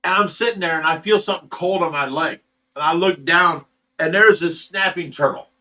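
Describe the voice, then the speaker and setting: A man's voice: fairly high pitch, fairly quick, pushed and bright, distant mic. A man in his sixties hosting a casual livestream, reading viewer comments and telling rambling stories with plenty of swearing and laughter. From Ohio, USA. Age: 60s. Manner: rambling storyteller, swears freely and laughs often. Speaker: fish rescue host.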